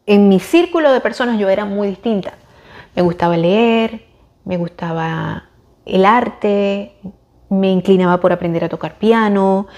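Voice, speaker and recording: A woman's voice: mid-range voice, mellow. Female podcast host, reflective solo monologue, earnest and thorough, mid-range voice. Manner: earnest, explanatory, long-winded. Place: lives in the United States.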